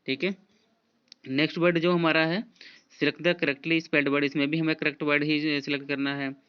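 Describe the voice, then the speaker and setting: Spelling words out one letter at a time with plenty of fillers, a man runs a casual exam prep spelling quiz. His voice is on the high side, level, clear and resonant, at a normal speed, captured in a dull lo-fi recording.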